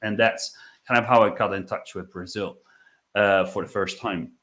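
A man in his thirties from the Netherlands with a Dutch accent, telling his story conversationally as a podcast guest, in a reflective way with halting phrasing and repeated words. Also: fairly low pitch, steady tone, fairly bright tone. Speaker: podcast guest, business owner.

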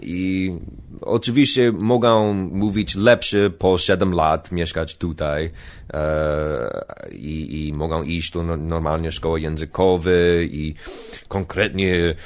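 Low-voiced American man telling stories. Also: takes it slowly. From United States. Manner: profane, animated storytelling with mimicked voices. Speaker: podcast guest. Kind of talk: casual storytelling.

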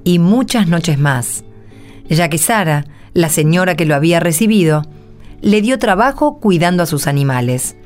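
A woman's voice: lowish voice, expressive, moderate pace, darkish tone, soft background music. A woman reading scripted narration as the storyteller of a Spanish-language radio play.

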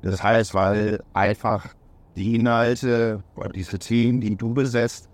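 A man's voice: on the low side, fairly even intonation, slow, no room sound. A man hosting a casual interview, asking long, winding questions and giving short agreeing replies. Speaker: interviewer and host.

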